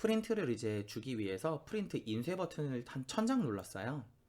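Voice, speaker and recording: Very wide swings in pitch from a man at a moderate pace. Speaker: accounting exam tutor. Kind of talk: tutorial. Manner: casual, conversational.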